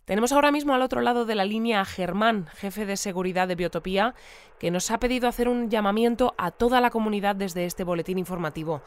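Clear-voiced news presenter played by an actor. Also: mid-range voice, fast, close to an everyday voice. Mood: composed, formal. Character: news bulletin presenter of a futuristic community, inquisitive, courteous. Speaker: radio news presenter and interviewer. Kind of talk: audio fiction acted as a radio news interview.

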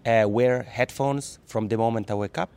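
A man from the Italian-speaking part of Switzerland, Italian native speaker with a Swiss Italian accent, chatting as a podcast guest in a lively way, often restarting words. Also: mid-range voice, normal speed, smooth. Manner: lively, laughs easily, repeats words when restarting. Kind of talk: casual interview.

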